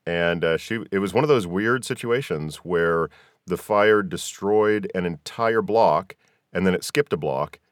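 A man's voice: deep voice, a little slow, dry recording, studio quality. A man hosting a podcast, talking casually as he interviews his guests.

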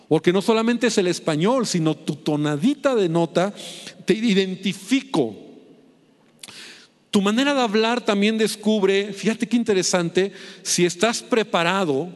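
High-voiced preacher in a reverberant hall. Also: male voice. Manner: conversational, constant tag questions. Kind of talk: sermon.

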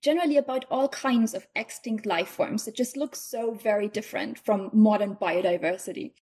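A woman's voice: medium pitch, moderate pace, a little mellow, breathy edge. A young woman from Germany, a scientist guest answering interview questions modestly and thoughtfully. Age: young adult. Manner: modest, thoughtful, laughs often. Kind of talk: podcast interview.

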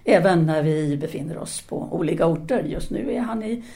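Mellow-voiced actress as a brainy independent woman teacher, radio play, formal and a bit lecturing, pauses to think. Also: lowish voice, expressive. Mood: assured, explaining. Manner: formal, articulate, didactic, with hesitant pauses. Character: self-assured intellectual French woman teacher, 1930s Paris, independent-minded. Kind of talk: audio drama dialogue.

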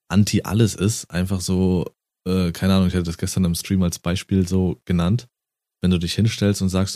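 A man's voice: low-pitched, mellow, dry recording, clean studio sound. A man chatting casually on a podcast, blunt and fond of swearing, often laughing. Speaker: podcast co-host.

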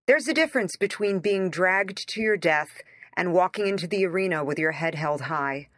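A woman's voice: lowish voice, expressive, moderate pace, a bit bright, dry recording, clean studio sound. A woman reading a scripted opinion essay in a conversational, wry way with emphatic phrasing. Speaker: essayist reading their own article aloud.

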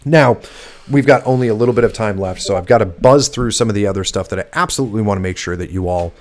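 A fairly low-voiced man hosts a political talk show in loose, casual chat. He talks in a sarcastic, mocking way and swears freely. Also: fast talker, darkish tone. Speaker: podcast host.

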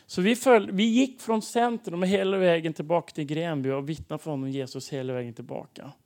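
Animated male preacher telling stories. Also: on the high side. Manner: animated, acts out dialogue in stories. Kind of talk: sermon testimony storytelling.

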